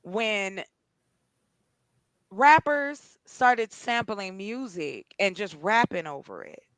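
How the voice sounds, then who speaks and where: A woman hosting a casual chat, making her case in an animated, persuasive way. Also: mid-range voice, slow pace, no room sound. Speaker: host.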